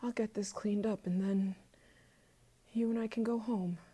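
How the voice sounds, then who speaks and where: A woman's voice: medium pitch, fairly even intonation, unhurried, dark tone, breathy edge. A woman playing an obsessive, possessive, murderous yandere lover in an intimate ASMR roleplay monologue, moving between whispers and frantic outbursts. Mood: calm, tender, chilling.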